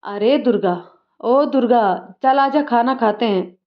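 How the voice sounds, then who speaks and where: A woman's voice: on the high side, measured pace, natural voice. A woman voicing an affectionate, easygoing middle-aged village father, on slightly dull audio.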